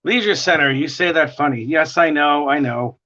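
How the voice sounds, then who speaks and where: A man with a gravelly voice and a New York accent, chatting in a rambling way while he draws on a livestream. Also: fairly high pitch, normal speed, sharp tone. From United States. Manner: chatty, rambling, chuckling often. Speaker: artist livestreaming a drawing session. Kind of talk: casual chat while drawing. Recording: dull lo-fi stream audio.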